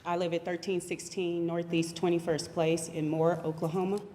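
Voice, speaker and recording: A woman speaks directly at a council meeting, her voice on the low side. The council chamber gives her a long reverb. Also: little pitch movement, normal speed, mellow, a little hiss or hum. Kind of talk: public comment.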